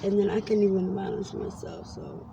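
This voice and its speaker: A woman's voice: mid-range voice, huge pitch swings, moderate pace, vocal fry. A woman from Somalia chatting bluntly as a passenger in a car, swearing often. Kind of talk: casual chat. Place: inside a car. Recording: distant phone mic, heavy road noise.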